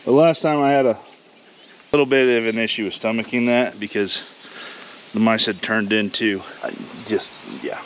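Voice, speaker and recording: A man's voice: on the low side, fairly even intonation, moderate pace. A man in his forties from Iowa, a farmer narrating his work outdoors in a casual, folksy way, talking to the camera. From Iowa, USA. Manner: plainspoken, folksy, thinking aloud while working. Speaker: farmer vlogger. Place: outdoors on a farm, by a barn and machinery. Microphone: head-mounted action camera. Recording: loud machinery noise. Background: engine and machinery clatter.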